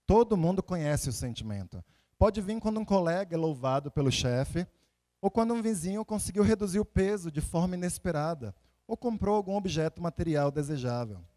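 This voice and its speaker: A male preacher with a notably high-pitched voice. He delivers a conversational sermon like a storyteller, repeating phrases for emphasis and putting rhetorical questions to his listeners. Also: animated, fairly quick, warm tone. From Salvador, Bahia, Brazil. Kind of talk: conversational sermon with personal anecdotes and scripture readings.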